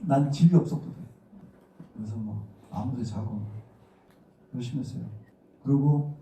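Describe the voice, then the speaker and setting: A man's voice: mid-range voice, far from the mic, a little hiss or hum. A middle-aged man with a Daegu accent giving a lecture to students, telling stories and acting out what people said. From rural area near Daegu, South Korea. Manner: animated storytelling, acting out quotes. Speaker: guest speaker, actor. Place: lecture hall. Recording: echoey hall recorded from afar, muffled.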